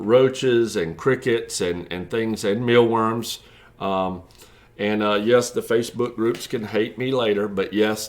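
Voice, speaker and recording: A man's voice: fairly low pitch, a bit bright. A man who breeds reptiles, explaining care tips in a casual, folksy way with many fillers.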